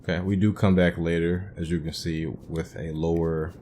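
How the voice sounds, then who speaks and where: A man's voice: deep voice, flat delivery, normal speed, mellow, a little hiss or hum. A man hosting a gaming playthrough, commenting casually and informally as he thinks aloud and explains things. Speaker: gaming video host.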